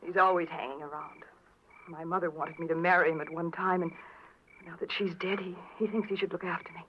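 A woman's voice: lowish voice, fairly even intonation, brisk, lightly acted. An actress playing a frightened, distraught young woman in a 1940s-style radio drama, speaking with breathless, hesitant emotion. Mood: shaken, subdued. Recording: dull, faintly noisy old radio recording.

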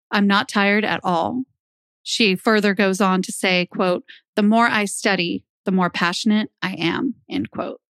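A woman's voice: medium pitch, a bit bright, smooth, no echo. A young woman hosting a true crime podcast, reading scripted narration into a close microphone. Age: young adult. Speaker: podcast host.

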